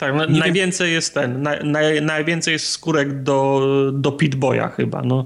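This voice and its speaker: At a fairly slow pace with hardly any pauses, a fairly high-pitched man speaks in a monotone, flat intonation at very even loudness. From Poland, Gdynia. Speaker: podcast co-host. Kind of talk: casual chat.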